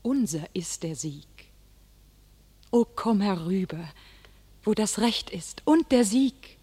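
An actress playing a young, divinely inspired warrior maiden in a classic radio drama, speaking solemn, impassioned verse in a commanding way. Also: female voice, medium pitch, expressive, slow pace, dark tone, breathy edge. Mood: solemn, pleading. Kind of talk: classic German radio play, declaimed stage verse.

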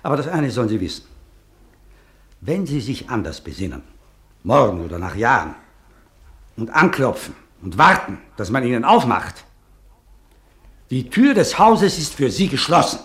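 A man's voice: mid-range voice, sing-song, normal speed, long pauses, a bit bright. A man acting in a German radio play as a bitter, unforgiving exile, impassioned and declamatory in his accusations. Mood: cold, condemning.

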